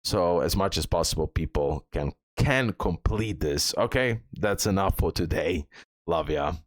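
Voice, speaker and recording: Male gaming creator, lowish voice, casual walkthrough commentary, repeats himself for emphasis, close dry sound. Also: lively intonation, a little slow, no room sound.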